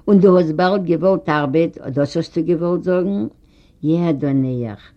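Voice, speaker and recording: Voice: mid-range voice, normal speed, mellow, close to an everyday voice. A reader voicing a shy, eager young woman who has just arrived, speaking earnestly and politely with a slightly raised voice. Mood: reminiscing. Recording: dull lo-fi recording.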